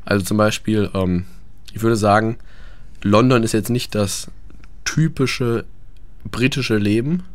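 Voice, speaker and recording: A man's voice: lowish voice, measured pace, pauses often, no room sound. A young man chatting about life abroad, hesitant with many fillers. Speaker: guest. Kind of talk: casual radio chat.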